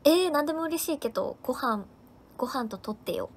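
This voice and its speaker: A woman's voice: high-pitched, lively intonation, brisk, slight background noise. A woman hosting a casual live stream, cheerfully reading out viewers' comments and thanking each of them by name. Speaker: livestream host.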